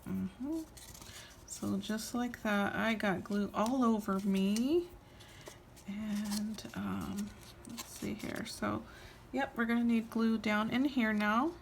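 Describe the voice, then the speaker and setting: A tired-sounding woman hosting a casual hands-on craft tutorial, explaining each step informally with trailing pauses. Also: medium pitch, steady tone, vocal fry, slight background noise.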